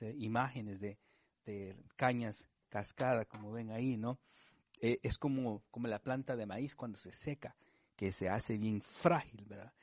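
A man preaching a sermon, explaining scripture in a conversational way, often tagging on questions, and reading verses slowly and with weight. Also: mid-range voice, no echo, studio quality. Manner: conversational, frequent tag questions and fillers; reads scripture slowly and with emphasis. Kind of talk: sermon, Bible study teaching.

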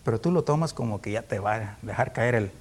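A man preaches in a conversational Bible-teaching style, posing rhetorical questions, tacking on tag questions to check in with listeners, and chuckling often. His lowish voice is expressive and fairly quick.

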